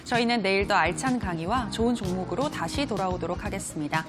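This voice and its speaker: A woman's voice: medium pitch, expressive, fast, over music. Polished female finance-show host. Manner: polished, scripted announcer delivery. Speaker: program host. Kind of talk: broadcast hosting.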